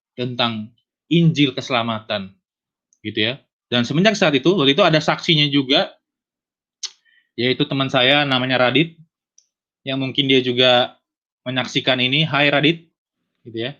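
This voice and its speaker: A man giving an earnest personal testimony, his voice climbing high and emotional as he relives a moment. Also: bright, forceful tone, lo-fi sound.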